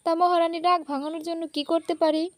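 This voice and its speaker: A teasing young college man, as a woman reads him in her own high voice. He talks cheekily and plays jokes on his best friend. It sounds like a storybook read aloud. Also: level tone, a little fast, no echo. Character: playful teasing young male college student.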